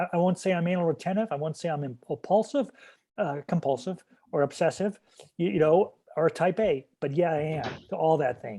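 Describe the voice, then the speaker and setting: This man's voice is fairly high-pitched, with a dark, mellow tone. He talks at a moderate pace with ordinary pitch variation against a quiet background. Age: 60s. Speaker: golf student, retiree. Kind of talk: group video Q&A call. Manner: halting, repetitive stammering.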